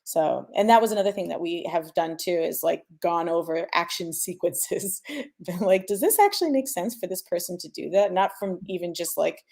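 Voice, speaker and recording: Woman, lowish voice, strong vocal fry, informal panel explanation, thinking aloud. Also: moderate pace, a little mellow. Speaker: sound designer on a panel. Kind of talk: casual explanatory panel talk.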